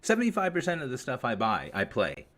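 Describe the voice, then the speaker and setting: A man's voice: mid-range voice, huge pitch swings, fast, a bit bright. Profane, grumbling streamer man. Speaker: livestream host. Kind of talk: rambling live-stream chat to viewers.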